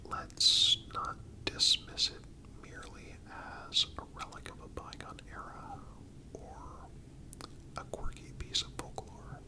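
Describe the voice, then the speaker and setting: A man narrating a scripted story for ASMR in a breathy, unvoiced whisper, deliberate and pausing between phrases. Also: rough recording.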